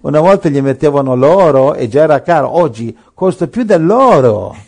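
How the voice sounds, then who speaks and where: A man's voice: on the high side, animated, moderate pace, vocal fry, darkish tone. A middle-aged man preaching on a radio program, joking and asking rhetorical questions. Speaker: pastor.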